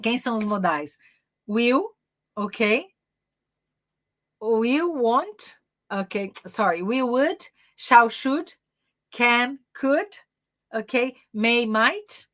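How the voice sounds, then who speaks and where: A woman's voice: fairly high pitch, animated, extremely slow, long pauses, a bit bright. A woman with a Brazilian Portuguese accent giving a live online English grammar lesson, chatty, checking in with "ok?" and "né?" after almost every phrase. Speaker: English teacher and career mentor.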